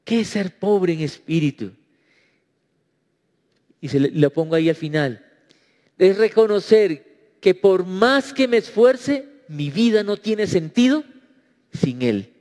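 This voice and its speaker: A man's voice: high-pitched, expressive, slow, long pauses, darkish tone. A man preaching a sermon as pastor, emphatic and acting out quoted prayers. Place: church. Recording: reverberant church hall.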